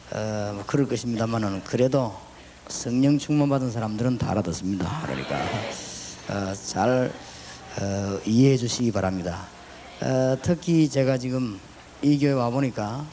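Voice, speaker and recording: A man with a Busan accent speaks at medium pitch with ordinary pitch variation. His moderate pace comes through audible room echo and noticeable background noise. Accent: Busan dialect (Gyeongsang). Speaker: pastor. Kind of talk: sermon. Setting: church.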